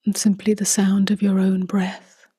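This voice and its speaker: A woman speaking softly and gently in a near-whisper as she guides a meditation, unhurried, with long pauses. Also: mid-range voice, completely flat delivery. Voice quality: soft, breathy, near-whispered. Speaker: meditation teacher.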